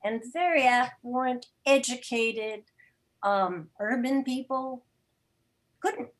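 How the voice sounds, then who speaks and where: A woman's voice: fairly high pitch, poor audio. Considered, articulate woman on a video call. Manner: considered, articulate, pauses mid-sentence. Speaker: interview guest, theater podcast producer. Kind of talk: reflective conversational talk. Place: indoor room, video call.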